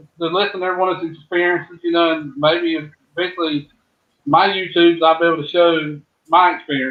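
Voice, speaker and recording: A man speaks in a high pitch with a Southern US accent. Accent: southern drawl. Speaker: reseller guest. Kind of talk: casual panel chat.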